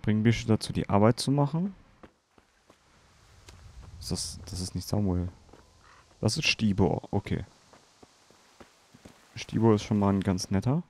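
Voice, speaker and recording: A man's voice: fairly low pitch, expressive, a little slow, pauses often, a little mellow. A man hosting a let's play, chatting and joking about game details as he plays. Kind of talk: casual gameplay commentary.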